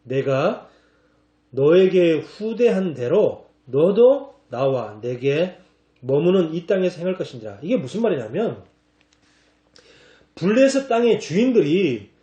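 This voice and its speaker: A man pastor preaching a lively sermon, acting out scripture in casual slang and laughing along. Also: high-pitched, reverberant, highs cut off.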